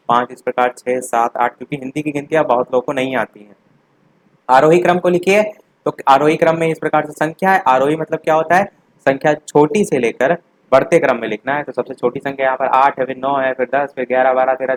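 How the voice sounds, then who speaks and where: Medium-pitched and brisk, this young man's voice comes through a rough recording. In his revision session for a teaching exam, he addresses students head-on, lays out every answer in simple terms, and repeats what matters most.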